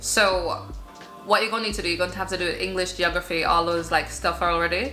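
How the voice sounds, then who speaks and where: A woman speaks very fast in an upbeat tone. Music plays in the background. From Jamaica. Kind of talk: casual talk to camera. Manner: upbeat, chatty.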